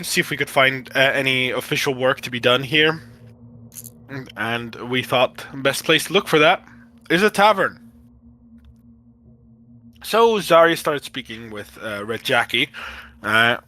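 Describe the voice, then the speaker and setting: A man with a shredded, hoarse voice giving a halting recap of a tabletop game session, with frequent fillers and throat clearing. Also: mid-range voice, bright, forceful tone.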